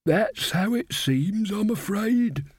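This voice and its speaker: A man's voice: high voice, lively intonation, slow pace, breathy edge, no room sound, studio quality, voice pushed up, full character voice. A man voicing a mild, cheerful old fairy godmother woman who chats and rambles. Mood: mild, chatty.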